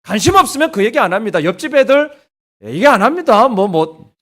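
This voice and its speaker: A man preaching in a church, with a high, lively voice. He swings widely in pitch as he preaches. He acts out blunt scolding lines. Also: a little fast. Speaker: pastor. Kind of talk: sermon. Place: church sanctuary.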